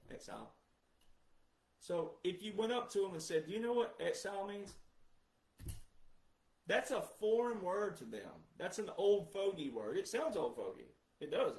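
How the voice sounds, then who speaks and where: A man's voice: high voice, echoey room, poor audio. A man speaking in an emphatic monologue, asking rhetorical questions and answering them himself and repeating key words for stress. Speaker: commentator. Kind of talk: monologue commentary.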